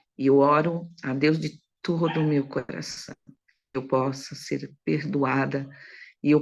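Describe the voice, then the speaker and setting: A woman speaks very slowly in a very deep, low voice with vocal fry. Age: 60s. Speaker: religious teacher. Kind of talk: lecture; testimony.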